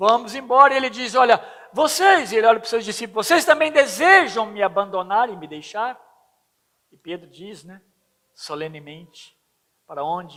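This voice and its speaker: In a raised, projected voice, a man speaks at a moderate pace with a high pitch and a bright, sharp tone. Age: 80s+. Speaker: pastor. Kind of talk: sermon.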